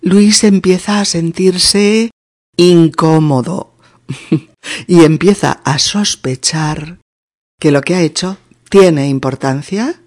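A male language teacher talks at an unhurried, deliberate pace, his voice sitting a little high. He explains carefully and often pauses with a questioning hum to check that the listener is following. The sound is dry and close, with no room around it. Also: dry recording. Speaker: Spanish teacher. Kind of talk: slow, careful podcast lesson.

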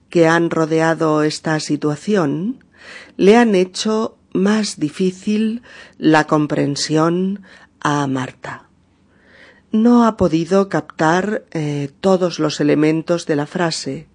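This podcast teacher has a Spain Spanish accent and talks at an unhurried, very slow pace. Key expressions are repeated carefully for learners, with small fillers and gentle check-ins between them. The voice sits at an average pitch and sounds patient and methodical. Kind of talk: slow, clearly spoken teaching narration.

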